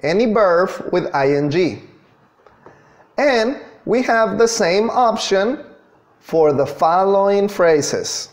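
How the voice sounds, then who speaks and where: A man in his thirties giving an online English grammar lesson in a deliberate, instructional manner, stressing key words. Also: sits high, lively intonation. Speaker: English teacher. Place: small indoor room.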